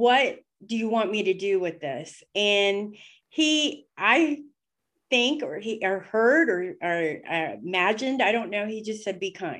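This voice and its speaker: A woman's fairly high pitch and lively intonation in an ordinary speaking voice, over a quiet background. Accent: American. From Ohio, US Midwest. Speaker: grief support group leader. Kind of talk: casual interview.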